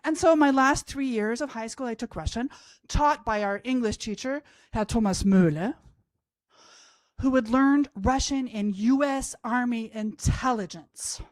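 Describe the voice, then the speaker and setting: On a college event stage, a fifties-aged Austrian woman who teaches languages tells an audience a funny personal story, wry and self-mocking. Her voice sits on the high side and is a little slow, with no room sound.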